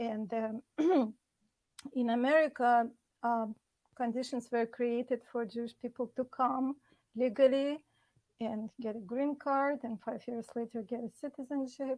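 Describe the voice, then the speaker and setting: A woman with a Russian accent, high pitch and monotone, flat intonation, speaking at a fairly slow pace with long, frequent pauses, in a very clean recording with a silent background and a dry, close sound with no echo. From Russia, Moscow. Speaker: school board candidate. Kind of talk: interview. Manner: hesitant, many fillers.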